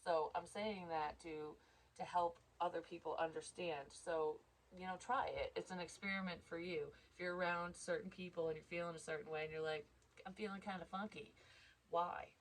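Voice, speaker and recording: A woman's voice: fairly low pitch, steady tone, moderate pace, low-quality recording. A woman giving a casual psychic reading, stuffed up and congested, rambling and interrupting herself. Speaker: psychic tarot reader.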